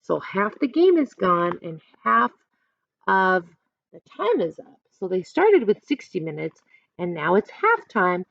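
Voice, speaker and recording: Animated woman reading aloud, slow and creaky. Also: mid-range voice, no room sound, muffled recording. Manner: animated, instructive, asks listeners questions. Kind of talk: expressive picture-book read-aloud with explanatory asides.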